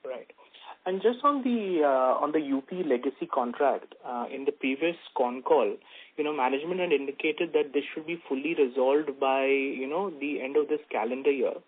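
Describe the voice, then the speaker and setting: A male investor on a tinny, narrow phone line with a mid-pitched voice. He politely lays out his questions in halting phrases, as on a company conference call. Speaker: investor caller asking questions.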